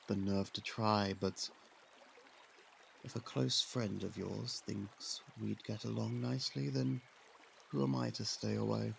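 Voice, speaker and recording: A man playing a curious, persuasive young prince as a suitor in an ASMR roleplay, speaking softly and confidingly. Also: fairly low pitch, gravelly, a little hiss or hum, heavily acted. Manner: soft-spoken, confiding, with some hushed whispers. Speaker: voice actor.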